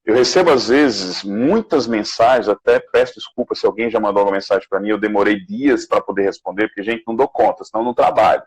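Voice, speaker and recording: A man with a Brazilian Portuguese accent, a guest sales manager on a live video call, giving animated career advice and acting out sample messages. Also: fast, hardly any pauses, husky, rough recording. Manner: animated, acts out sample messages with rising pitch. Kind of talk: live online career chat.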